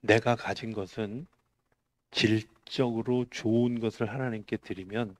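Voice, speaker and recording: A middle-aged male pastor giving a conversational Korean sermon. He asks the congregation rhetorical questions and swings between raised, emphatic lines and quiet, hushed ones. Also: fairly low pitch, fairly even intonation, a little slow.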